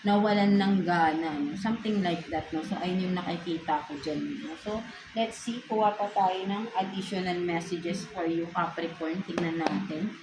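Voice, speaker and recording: A woman with a Filipino accent gives a casual tarot reading, mixing English into Filipino and ending almost every phrase with a questioning "no?". Her lowish voice moves at normal speed in a reverberant space with background noise.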